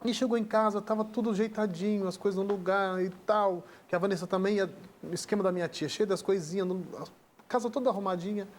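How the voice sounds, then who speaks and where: A man's voice: high voice, steady tone, fast. A man with a Brazilian Portuguese accent telling an emotional personal story as a guest on a talk show, acting out the dialogue as he goes. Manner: earnest, acts out dialogue in the retelling.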